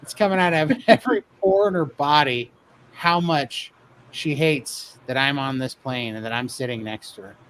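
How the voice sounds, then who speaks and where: A man's voice: medium pitch, normal speed, a bit bright, a little hiss or hum, rough recording. A man casually telling a funny story about himself, laughing often as he goes. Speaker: guest telling his weight-loss story.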